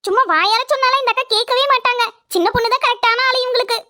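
A woman's voice: very high-pitched, fast talker, sharp tone. A woman voicing a sly, greedy village gossip in a cartoon dub who teases and eggs others on. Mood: sly, teasing.

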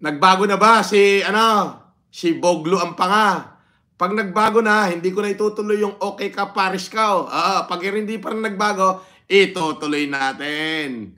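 A middle-aged man with a Filipino accent chatting casually on a livestream, greeting viewers in a drawn-out way with many pauses and interjections. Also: sits high, sharp tone. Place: indoor room with framed painting. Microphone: phone propped at arm's length.

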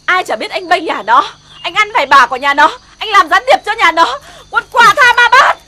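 An actress playing a fiery middle-aged village wife who scolds and curses loudly in a TV drama. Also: female voice, expressive, moderate pace, noisy background. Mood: defiant. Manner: shrill, cursing, wailing. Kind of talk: TV drama acting.

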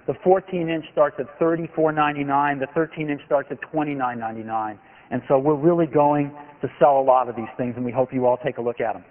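A man's voice: medium pitch, steady tone, quick pace, a little hiss or hum. A man in his forties giving an emphatic product keynote on a big conference stage. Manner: enthusiastic, emphatic salesmanship. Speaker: company executive giving a keynote. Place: large conference hall stage. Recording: tinny lo-fi archive recording of a hall.

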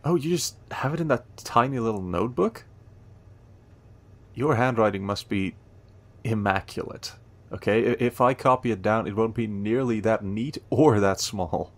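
A man acting a friendly, playful, eager young cafe helper in a romance audio roleplay, teasing and warm in a conversational way. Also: fairly low pitch, normal speed. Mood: warm, earnest.

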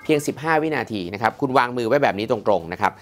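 A man presenting a smartwatch review in a chatty, lively way, with many polite fillers. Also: medium pitch, fast talker. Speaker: tech reviewer.

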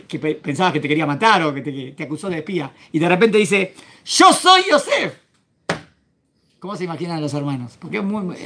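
A man's voice: high voice, a bit bright. A man teaching a Torah class as a rabbi, quizzing his students and acting out the verses. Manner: questions the class and acts out the verses.

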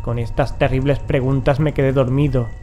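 An actor playing a grave, determined investigator in a horror audio drama, speaking solemnly. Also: male voice, mid-range voice, level tone, moderate pace, mellow, faint music behind, natural voice. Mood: solemn, haunted. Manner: solemn, foreboding.

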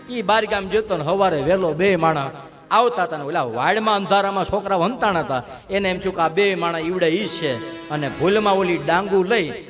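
A man telling a devotional story as a sermon, dramatic and lively. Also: high voice. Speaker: religious storyteller.

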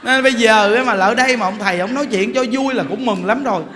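A Buddhist monk giving an animated sermon, joking as he tells stories and addresses the audience directly. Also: very high voice, quick pace, in a large hall. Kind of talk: lively sermon.

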